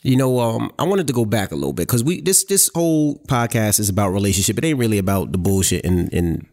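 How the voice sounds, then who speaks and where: A man hosts a relationship podcast in a loose, conversational way. He asks direct, teasing questions and often restarts his sentences. His voice sits low. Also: lively intonation, fast talker, a little mellow. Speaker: podcast host. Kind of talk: casual conversation.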